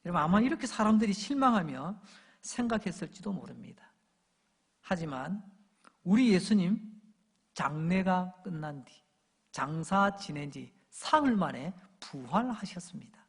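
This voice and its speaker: A male pastor delivering an animated sermon to his congregation, acting out the shouts and taunts of crowds as he preaches. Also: high-pitched, a little slow, creaky, breathy edge. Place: church sanctuary. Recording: long church hall reverb.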